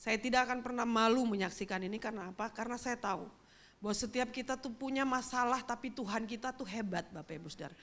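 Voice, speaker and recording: A woman's voice: on the high side, fast talker, a bit bright. Woman pastor, middle-aged, sermon testimony, casual storytelling to the congregation. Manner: chatty storytelling, addresses the congregation directly. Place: church.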